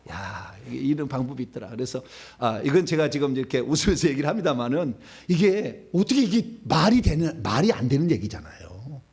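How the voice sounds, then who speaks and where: A man preaching a charismatic sermon at a church prayer meeting, telling stories with sudden shouted commands. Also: mid-range voice, sing-song, fairly quick, few pauses, slightly rough. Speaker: pastor. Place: church sanctuary.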